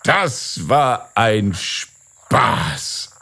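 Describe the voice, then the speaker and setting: A man voicing a jovial, excitable caliph turned into a stork, with a lively, exclaiming delivery. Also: medium pitch, takes it slowly, husky, heavily acted. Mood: merry.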